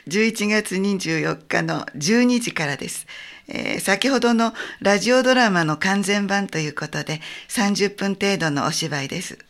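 A woman from a visiting theater troupe, speaking calmly and gently about their plays. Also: medium pitch. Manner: calm, gentle, measured talk with fillers. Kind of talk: radio interview.

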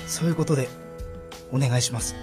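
A man acting as a caring middle-aged son in a radio drama, earnest and gentle, his voice dropping low when he worries. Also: fairly even intonation, quick pace, music in the background, lightly acted.

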